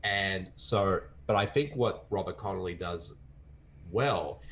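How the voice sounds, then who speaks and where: A man's voice: deep voice, takes it slowly, a bit bright. An Australian man chatting casually as a film reviewer, enthusiastic and rambling, with lots of filler words.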